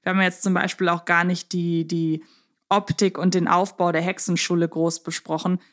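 A woman's voice: fairly low pitch, level tone, normal speed. A woman co-hosts a casual podcast, thinking aloud and reasoning step by step. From Hamburg, Germany. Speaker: podcast co-host.

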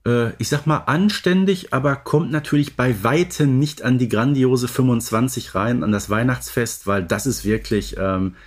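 A man's voice: medium pitch, moderate pace, hardly any pauses. A man co-hosting a podcast, chatting casually about audio dramas. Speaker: podcast co-host.

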